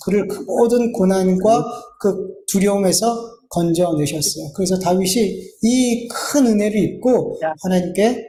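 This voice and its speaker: A man's voice: high voice, measured pace, few pauses, warm tone, echoey room. A man preaching a Sunday sermon in earnest, now and then acting out pleading prayers in a raised voice. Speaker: pastor. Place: church sanctuary.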